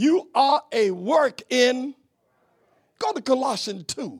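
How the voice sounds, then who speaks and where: A man talks in an animated tone with ordinary pitch variation. The sound is dry and close, with no echo. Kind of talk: sermon, preacher in full flow, call-and-response with congregation. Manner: animated, exhortative, pushing the congregation to respond; conversational and laughing, punchy rhetorical questions.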